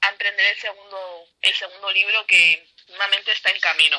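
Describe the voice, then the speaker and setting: A woman with a normal speaking voice talks at a moderate pace and a fairly high pitch, her intonation fairly even and the sound dry and close with no echo. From Spain. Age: 20s. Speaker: writer. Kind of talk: interview.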